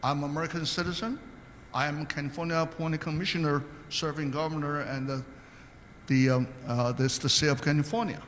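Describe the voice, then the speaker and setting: Older panel guest, earnest and anecdotal, slightly high voice, recorded in a reverberant hall. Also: male voice, steady tone, brisk, a bit bright, slight background noise. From Taiwan. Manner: earnest, anecdotal, with hesitant restarts. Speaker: guest speaker, state commissioner. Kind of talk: panel talk answering questions.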